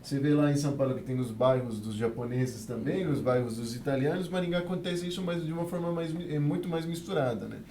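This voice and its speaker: A man's voice: a little high, fast, few pauses, warm tone, reverberant, slight background noise. A man from Venezuela, speaking as an interview guest about immigrant life, earnest and tagging nearly every phrase with a questioning "né". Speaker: guest, immigrant community worker. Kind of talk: podcast interview, telling his experience.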